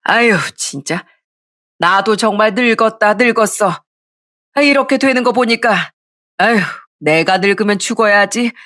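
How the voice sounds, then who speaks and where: A woman's voice: mid-range voice, unhurried, a bit bright, dry recording, clean studio sound, natural voice. A woman voicing an older, scolding and self-pitying mother-in-law in a told story. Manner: scolding, complaining.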